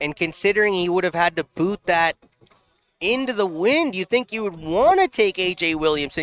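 Dry and close with no echo, a man's high, bright, sharp voice moves at a fairly quick pace with lively intonation. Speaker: play-by-play commentator.

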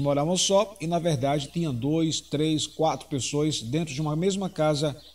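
Pitch varying in an ordinary way, a man talks at a moderate speed. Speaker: radio host, blogger. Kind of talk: news commentary.

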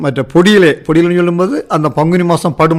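A high-pitched male voice and its ordinary pitch variation. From Kanyakumari district, Tamil Nadu, India. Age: 60s. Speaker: farmer. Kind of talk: radio interview.

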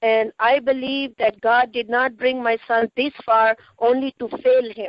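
The intonation is monotone and flat, heard against a quiet background with a dry sound and no echo. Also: woman. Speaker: caller. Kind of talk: prayer request. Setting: phone call. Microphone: phone line.

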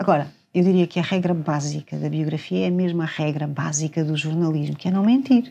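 A woman talks at a fairly quick pace with hardly any pauses, her pitch very deep and low. Her tone is dark and mellow, and her intonation lively. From Portugal. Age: 50s. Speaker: writer and journalist; journalist. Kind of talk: interview conversation. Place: studio. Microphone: lapel.

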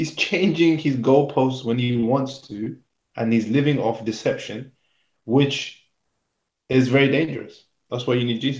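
A somewhat breathy man talks at a fairly slow pace, with fairly even intonation and long, frequent pauses. There is audible room echo, though the background is quiet. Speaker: co-host reading viewer comments. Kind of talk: live stream discussion. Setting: online live stream. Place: home room. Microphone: phone near.

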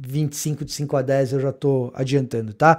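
In an unremarkable speaking voice, a man talks at a moderate pace with a fairly high pitch and fairly even intonation. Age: 40s. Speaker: theologian and YouTuber; YouTuber. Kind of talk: reaction video commentary. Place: home room. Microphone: studio mic.

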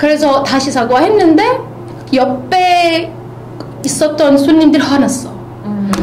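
A woman speaks in a high voice at a very slow pace, with long, frequent pauses. There is audible room echo and faint music in the background. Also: ordinary pitch variation. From Morocco. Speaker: guest. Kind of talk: casual chat. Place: meeting room.

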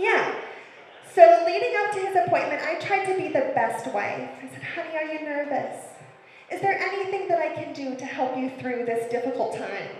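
Audible room echo and light background noise accompany a woman speaking at a moderate pace. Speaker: stand-up comedian. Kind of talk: stand-up. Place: stage.

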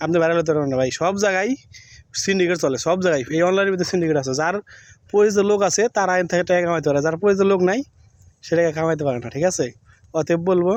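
A high-pitched male voice with ordinary pitch variation and very even loudness. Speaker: video blogger and small farmer. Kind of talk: casual vlog narration.

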